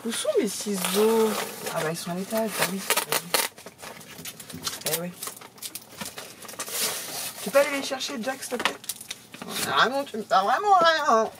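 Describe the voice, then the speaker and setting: A middle-aged woman chatting casually to her viewers as she opens fan mail, talkative and quick to laugh. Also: fairly high pitch, animated, noisy background. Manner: chatty, laughs often, exclaims. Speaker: craft YouTuber opening fan mail. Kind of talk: casual chat to camera.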